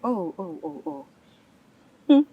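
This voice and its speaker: A woman's voice: mid-range voice, very animated, slow pace, narrow, tinny audio. An actress playing a protective queen and mother who pleads and accuses. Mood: aggrieved.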